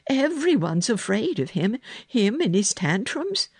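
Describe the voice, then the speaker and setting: A woman's voice: mid-range voice, big pitch swings, unhurried, darkish tone, slightly rough, no echo, pitched above the performer's own voice, full character voice. A woman voicing a fearful, superstitious housemaid with an alarmed, gasping manner in a storybook reading.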